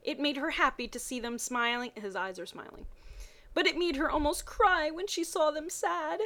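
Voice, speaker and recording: A woman with a somewhat high voice reads amateur fiction aloud. Her delivery is expressive and dramatic, broken up by sardonic, muttered commentary in a drier tone. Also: moderate pace. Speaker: reader of fan fiction. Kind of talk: mocking dramatic reading of badly written fan fiction with dry asides.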